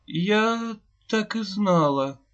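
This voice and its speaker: A woman's voice: mid-range voice, lively intonation, extremely slow, voice pushed up. A man voicing a distraught peasant mother who is sick and bitter, pleading and wailing. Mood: resigned. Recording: dull lo-fi recording.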